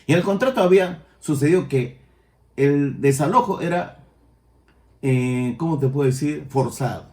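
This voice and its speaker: An older man with a Peruvian Spanish accent, preaching a sermon as pastor and rising loud on his key points. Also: a little high, normal speed, reverberant. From Peru.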